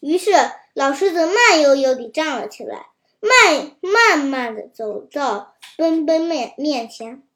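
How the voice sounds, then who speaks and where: High-voiced woman telling a children's story. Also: a little slow. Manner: lively, expressive reading with slips. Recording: roomy echo.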